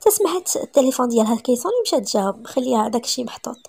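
Fast-talking Moroccan woman storyteller. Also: fairly high pitch, expressive, gravelly, a little mellow, husky. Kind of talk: read-aloud story narration.

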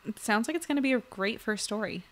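A woman playing a practical, reassuring newspaper editor in an audio drama, casual and measured. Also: on the high side, animated, natural voice.

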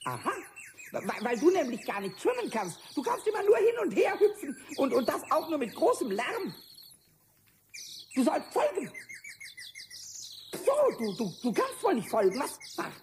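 A man voicing a small, cheeky, impulsive kobold in a children's radio play, squeaky and stammering with repeated words. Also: huge pitch swings, moderate pace, long pauses, heavily acted. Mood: scolding, gleeful. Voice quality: squeaky, high-pitched. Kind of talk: 1970s German children's radio play acting. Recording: noisy old vinyl radio-play recording.

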